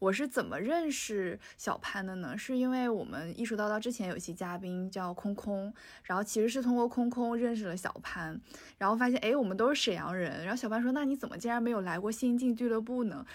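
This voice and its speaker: In a very clean recording with a silent background, a woman with an unremarkable speaking voice talks at a fairly quick pace, her fairly high pitch carried by lively intonation. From Northeast China, Liaoning. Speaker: podcast host. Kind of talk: casual interview.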